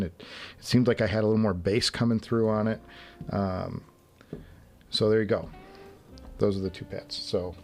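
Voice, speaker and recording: In his home garage studio, a livestream host chats casually while assembling headphones, muttering and chuckling along the way. He speaks in a fairly low, slightly mellow voice touched with vocal fry.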